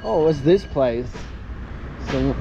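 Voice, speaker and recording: Slow-talking man vlogging on a street. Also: on the high side, lively intonation, gravelly, dark tone, highs cut off, faint music behind. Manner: chatty, laughs often, says a few basic Spanish phrases. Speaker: travel vlogger. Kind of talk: casual walking commentary. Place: outdoors on a sunny residential street. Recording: street noise behind.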